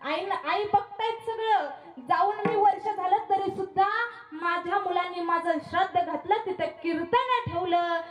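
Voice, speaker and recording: A woman's voice: very high voice, fairly even intonation, moderate pace. A woman kirtan preacher giving a devotional sermon at a memorial gathering, repeating her points with emphasis and addressing listeners as maharaj. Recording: echoey room with faint music.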